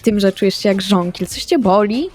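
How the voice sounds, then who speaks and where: A woman's voice: medium pitch, expressive, normal speed, a little mellow, lightly acted. A woman playing an evasive, harried young woman in a roleplay session, hesitant but urgent as she manages others. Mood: placating. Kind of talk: improvised tabletop roleplay acting.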